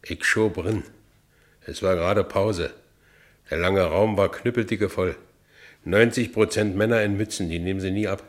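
An actor playing a brooding, restless working-class ex-convict with a Berlin accent in a radio play. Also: male voice, low voice, fairly even intonation, moderate pace, lightly acted. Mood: brooding, wistful. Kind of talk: radio play first-person narration.

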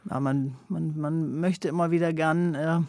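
A woman in her fifties from northern Germany speaks as a guest in a radio interview. She sounds reflective and pauses to think. The recording is dry and close. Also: low voice, steady tone, a little mellow, no room sound. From Sylt, northern Germany. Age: 50s. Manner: reflective, frequent hesitations. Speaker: journalist and author, guest.

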